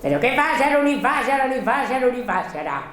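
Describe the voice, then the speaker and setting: A woman's voice: high-pitched, sing-song, a little fast, fairly bright tone, heavy reverb. A woman with an Asturian accent voicing an impatient schoolteacher who brushes off a pupil. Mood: dismissive. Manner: dismissive, scolding.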